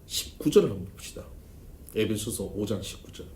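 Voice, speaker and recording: A male pastor preaches at a seminar, his pitch swinging freely as he tells humorous stories. His tone is dark and mellow. The church room echoes, with a faint hiss underneath. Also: expressive, fairly quick. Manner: storytelling with humor, emphatic swings in loudness. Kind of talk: seminar sermon.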